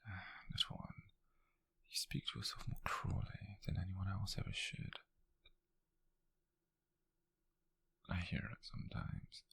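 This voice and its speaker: A British man playing a gentle, teasing witch mentor in an ASMR roleplay, speaking in a breathy, hushed half-whisper with soothing, intimate phrasing. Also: fairly low pitch, no room sound, full character voice. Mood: tender, earnest. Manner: soothing, intimate, unhurried, softly formal phrasing. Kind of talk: ASMR roleplay addressed to the listener.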